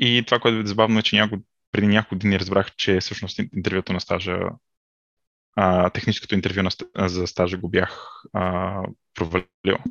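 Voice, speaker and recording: A man speaks at a moderate pace. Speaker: software engineer. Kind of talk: interview. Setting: video call. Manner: halting.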